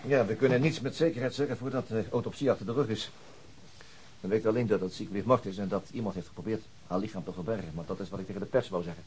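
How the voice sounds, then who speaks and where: An actor playing a methodical, doubting police detective in a radio drama, deliberate and husky. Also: male voice, lowish voice, a little mellow, a little hiss or hum, lightly acted, low-quality recording. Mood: matter-of-fact.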